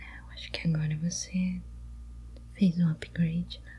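A soft-spoken woman whispers at a fairly slow pace, her loudness swinging widely. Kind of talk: soft-spoken ASMR roleplay. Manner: soft, intimate ASMR whisper. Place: home room. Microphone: studio mic.

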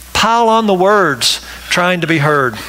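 Over music in the background, a man uses a raised, projected voice with lively intonation at a fairly slow pace. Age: 50s. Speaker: pastor. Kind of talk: sermon. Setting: church with congregation. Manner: conversational with laughter. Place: church.

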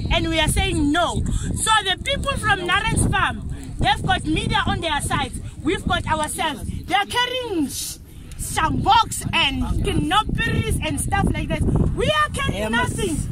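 Over loud background noise, a woman speaks at a fairly slow pace in an extremely high pitch, the sound dry with no echo. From South Africa. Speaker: community protester. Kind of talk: impassioned street protest speech to camera, airing residents' grievances. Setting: outdoors at a protest. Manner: heated, indignant and emphatic, repeating rallying lines; halting with stumbles and repeated words. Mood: angry, indignant. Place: street. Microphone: phone near.

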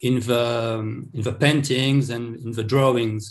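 With a French accent, a man speaks at a very slow pace in a somewhat breathy voice. The background is quiet. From France. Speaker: documentary filmmaker; conference host or guest. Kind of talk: presentation. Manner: halting. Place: home room. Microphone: video call.

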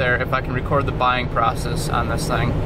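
A man speaks at a fairly quick pace amid loud background noise, in a dry recording with no echo. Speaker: vlogger driving to buy an ATV. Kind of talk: casual vlog chat. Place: car. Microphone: phone near.

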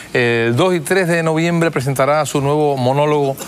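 A man speaks at a fairly slow pace with ordinary pitch variation. Light background noise is present. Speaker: talk show host. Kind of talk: late-night talk show interview. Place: studio.

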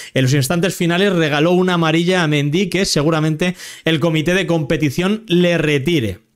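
Speech moves at a fairly quick pace with fairly even intonation. Loudness stays very even throughout. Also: man, high pitch for a man. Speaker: football YouTuber. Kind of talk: sarcastic angry rant. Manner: indignant, sarcastic.

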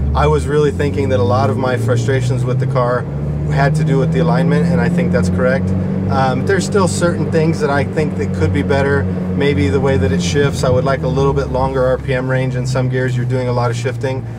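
A man talks at a fairly quick pace while loud background noise carries on. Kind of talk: casual vlog chat.

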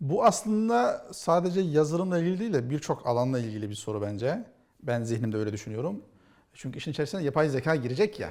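A man's fairly high voice, very fast, with very wide pitch swings. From southeastern Turkey (Batman). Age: 30s. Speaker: software developer. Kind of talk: interview.

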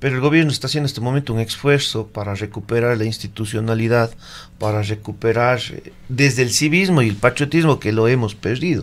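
Delivery comes at a very fast pace with ordinary pitch variation. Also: man. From Cuenca, Ecuador; Ecuador. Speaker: politician, legislator; politician. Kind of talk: radio interview. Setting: studio. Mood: serious, explanatory. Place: studio. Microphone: studio mic.

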